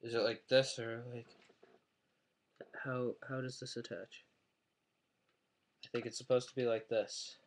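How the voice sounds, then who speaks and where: A man's voice: mid-range voice, flat delivery, unhurried, long pauses, a little hiss or hum. A man chatting casually in a rambling, self-deprecating way while reviewing a toy on his webcam at home. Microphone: webcam mic.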